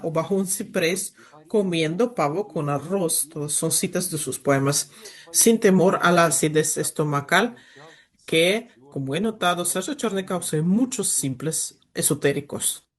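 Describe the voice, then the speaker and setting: A man giving a literature lecture over a video call, explaining in a measured way with occasional halting restarts. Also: high voice. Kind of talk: academic lecture.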